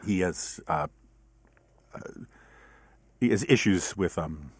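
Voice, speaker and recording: A middle-aged man with a deep, low voice rambles through a casual podcast chat, full of ums and uhs and a giggly laugh. He is self-deprecating and loose. The sound is close and dry, with no room around it. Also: lively intonation, slow, slightly rough, no room sound. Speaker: podcast host.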